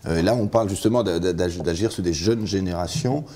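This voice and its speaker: A man hosting a panel discussion, who speaks haltingly with frequent fillers. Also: low-pitched, warm tone, a little hiss or hum. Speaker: host.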